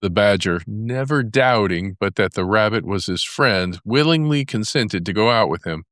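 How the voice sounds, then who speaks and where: Low-voiced man narrating a fairy tale. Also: expressive, a bit bright, no room sound, clean studio sound. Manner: measured storytelling with character voices for dialogue.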